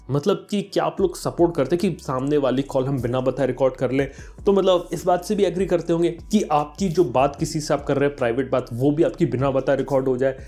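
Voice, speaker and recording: A tech YouTuber hosts an explainer vlog, speaking conversationally in a slightly high voice with a darkish tone. He addresses viewers directly and sprinkles in English terms.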